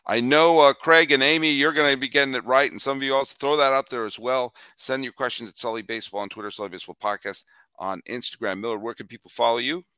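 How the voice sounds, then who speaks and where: A man hosting a baseball podcast in casual chat, animated and repeating himself as he thinks. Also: mid-range voice, fast, smooth, dry recording, clean studio sound. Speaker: podcast host.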